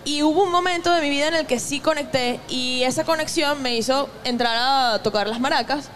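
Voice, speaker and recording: A young woman from Venezuela with a Venezuelan accent, a guest musician talking in a relaxed, reflective way with many restarts. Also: high voice, fairly quick. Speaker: guest musician, maraca player. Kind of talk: casual conversation.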